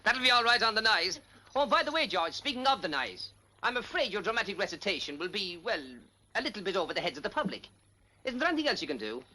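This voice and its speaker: An actor playing a smooth-talking showman and con man, full of glib, backslapping salesman patter. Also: sits high, sing-song, fast talker, pushed and bright, a little hiss or hum, exaggerated voice, poor audio.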